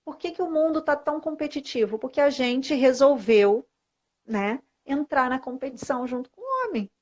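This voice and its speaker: High-voiced emphatic Brazilian woman. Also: moderate pace. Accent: Brazilian Portuguese. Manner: emphatic, preachy, animated. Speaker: guest, women's mentor. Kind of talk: casual live-stream conversation. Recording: muffled live-stream audio.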